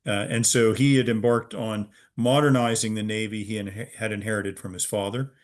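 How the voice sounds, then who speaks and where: Low-voiced American man with a measured delivery. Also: little pitch movement. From Virginia, USA. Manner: measured, with frequent "uh" pauses. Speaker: museum head of research, guest. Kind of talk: explaining history in an interview. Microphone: video call.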